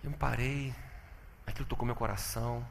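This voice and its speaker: A man giving a testimony sermon, telling his story with animated swings from loud exclamations to hushed tones. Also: medium pitch, fairly quick, vocal fry, long reverb tail, a little hiss or hum.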